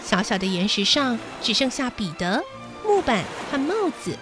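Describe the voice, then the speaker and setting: High-voiced woman telling a bedtime story. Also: sing-song, moderate pace. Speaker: children's story show host and narrator. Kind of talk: expressive children's bedtime storytelling. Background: background music.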